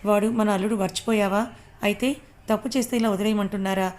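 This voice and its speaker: Woman voicing a fierce middle-aged mother, defiant, scolding, flat even delivery. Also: medium pitch, fast talker, natural voice.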